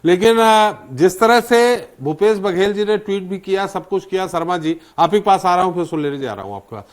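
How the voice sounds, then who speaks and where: A male news anchor moderating a televised political debate, firm and interrupting to keep guests on time. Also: high-pitched.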